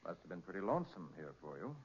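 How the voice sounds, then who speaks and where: An actor playing a brisk, shrewd private detective who questions people decisively in a 1940s radio crime drama. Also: male voice, low voice, very animated, breathy edge, exaggerated voice. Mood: probing, businesslike. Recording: dull, muffled 1940s radio recording.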